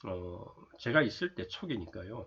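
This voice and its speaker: A man talks at a moderate pace. His voice sounds somewhat breathy. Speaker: constitutional law scholar. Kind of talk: casual talk to camera. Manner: hesitant, many fillers.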